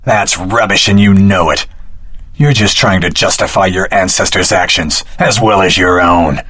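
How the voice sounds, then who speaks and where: An earnest heroic swordsman from an action video game. His voice sits low with a husky grain. He speaks dramatically and with honor, like a principled protagonist. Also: normal speed, fairly bright tone. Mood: grave, resolute. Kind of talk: scripted video game voice acting.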